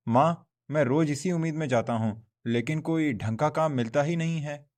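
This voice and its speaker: This is an earnest, honest young man in a cartoon, short on money and pleading for work, as a man acts him out. The voice sits fairly high for a man. The delivery is sincere and soft-edged. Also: normal speed, natural voice. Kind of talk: Hindi cartoon voice acting.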